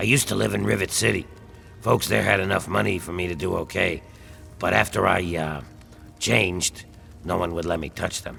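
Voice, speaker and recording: Putting on a character voice, a man growls in a raspy, very deep, low pitch at a moderate pace, with clear background noise behind him. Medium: video game. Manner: laid-back, casual.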